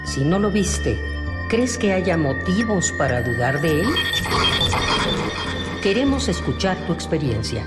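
Female station announcer, low and lively, reverberant, over loud music. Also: measured pace, pauses often. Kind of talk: scripted radio promo.

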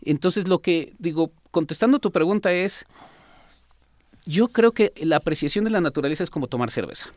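A man, speaking as the executive secretary of a nature reserve, explaining in an animated, casual way with homely comparisons. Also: on the high side, brisk, no room sound. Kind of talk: casual interview talk.

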